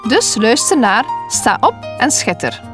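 A woman's voice: fairly high pitch, very animated, a little slow, over music. A woman hosting a short Christian devotional podcast, speaking earnestly and encouragingly as a wife and mother. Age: adult. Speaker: podcast host giving devotionals.

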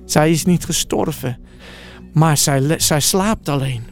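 A man voicing a gentle, loving male teacher who speaks softly and calmly. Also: on the high side, creaky, faint music behind, pitched below the performer's own voice. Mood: tender. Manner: soft, calm and unhurried.

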